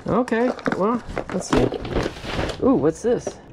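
A man's voice: high-pitched, expressive, takes it slowly, very noisy. Man musing over a storage locker find. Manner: musing aloud, lots of hmms and little laughs. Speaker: storage locker reseller host. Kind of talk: casual unboxing commentary. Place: cluttered metal storage unit.

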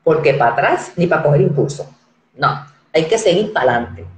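A woman in her forties hosting a casual live-stream chat, animated and acting out the voices she quotes. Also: sits low, brisk, reverberant, poor audio. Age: 40s. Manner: animated, acts out quoted voices, repeats words.

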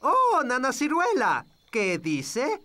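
An actor with a Latin American accent playing an elderly, self-important wise elf in a fussy cartoon style. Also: male voice, extremely high pitch, huge pitch swings, slow, bright, forceful tone, full character voice. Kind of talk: animated cartoon dub.

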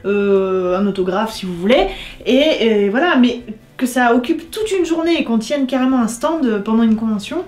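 A young woman co-hosting a casual chat to camera in a small room, relaxed and chiming in to agree. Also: fairly high pitch, moderate pace, reverberant. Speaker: YouTube co-host. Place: small room indoors, posters on the wall.

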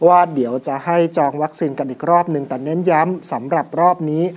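Calm explaining man news host. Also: on the high side, fast talker. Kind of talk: conversational news commentary.

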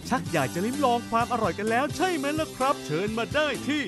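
A man with a high voice reads a scripted, salesy voice-over for a food show. His delivery stays smooth and enthusiastic, and music plays clearly behind him. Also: lively intonation, fast talker. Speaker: show narrator.

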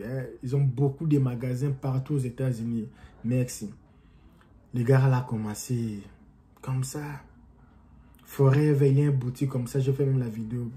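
A young adult motivational vlogger with a very dark, medium-pitched voice speaks casually to camera from a small indoor room at home. Gesturing and animated, he rambles with frequent restarts, and by his own account his French accent sounds non-native.

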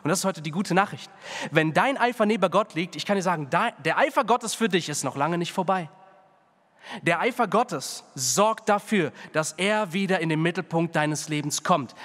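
Fervent preaching man in reverberant church. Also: sits high. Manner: preaching with big swings between fervent and hushed. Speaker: pastor. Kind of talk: sermon.

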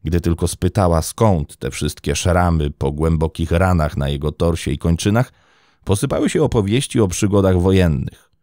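Deep, dark-voiced male narrator. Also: dry recording, clean studio sound. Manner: measured storytelling delivery. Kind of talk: scripted true-crime narration.

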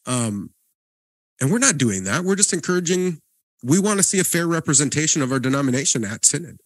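A man's voice: a little high, big pitch swings, a little fast, no echo. A man co-hosting a church podcast, talking in an earnest, encouraging way with frequent restarts. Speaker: podcast co-host, guest pastor. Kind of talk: casual podcast conversation.

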